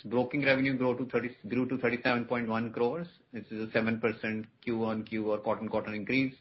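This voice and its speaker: A man, a company executive, formally reading a scripted earnings presentation on a conference call. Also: mid-range voice. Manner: formal, reading prepared remarks. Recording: muffled conference line, background noise.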